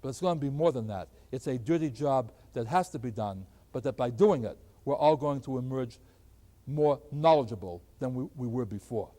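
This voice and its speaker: A middle-aged man lecturing as a math professor, animated and emphatic, with folksy asides to his students. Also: medium pitch, normal speed. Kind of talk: classroom lecture.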